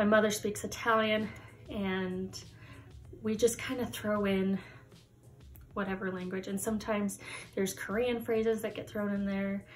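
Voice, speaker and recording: With music in the background, the speech comes at a moderate pace in a monotone, flat delivery broken by long, frequent pauses. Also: woman, medium pitch for a woman. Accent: American. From grew up partly in Europe (Croatia) and the US. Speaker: YouTuber. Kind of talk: casual chat.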